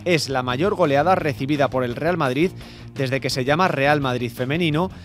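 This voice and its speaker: A man's voice: mid-range voice, normal speed, faint music behind. Man giving a scripted sports report.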